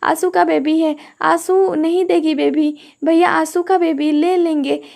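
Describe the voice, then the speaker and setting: A woman's voice: very high-pitched, steady tone, a little slow, gravelly, a little mellow, exaggerated voice. A woman narrator voicing a childlike, innocent young woman in an audio story, speaking in simple, pleading child talk. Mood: tearful.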